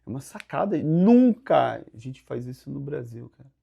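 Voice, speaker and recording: A man's voice: mid-range voice, sing-song, moderate pace, gravelly, warm tone, slightly rough. A Brazilian man with a Brazilian Portuguese accent hosting a podcast, reacting with exclamations and asking hypothetical questions. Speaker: podcast host. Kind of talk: casual podcast interview.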